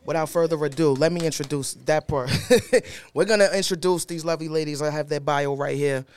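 A man from Brooklyn with a Brooklyn accent, hosting a casual show and reading guest bios in an animated, playful way. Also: on the high side, fairly quick, smooth. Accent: Brooklyn New York. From Brooklyn, New York. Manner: animated, playful, jokes at his own stumbles. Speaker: host.

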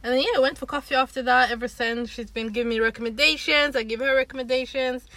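A woman's voice: high voice, fairly even intonation, fast, pushed and bright, no room sound. A woman hosting a podcast, casually interviewing a guest and cheering her on with frequent affirming murmurs. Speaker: podcast host.

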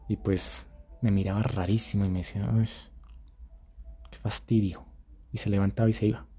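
Husky man acting out scenes. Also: on the low side, mellow. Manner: dramatic, acts out scenes, profane. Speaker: dating advice creator. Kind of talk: casual monologue to camera.

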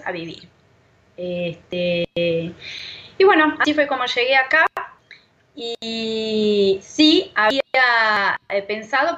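A Brazilian woman whose first language is Portuguese, a language teacher chatting as an interview guest, pausing often with fillers. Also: a little high, pushed and bright. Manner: thoughtful, many pauses and fillers. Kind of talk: casual interview talk. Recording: dull lo-fi audio.

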